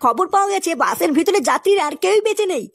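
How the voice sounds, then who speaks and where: A woman's voice: very high voice, lively intonation, very fast, vocal fry, full character voice. A woman playing a formal, urgent newsreader in a cartoon news bulletin. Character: cartoon television newsreader announcing grave news. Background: faint music.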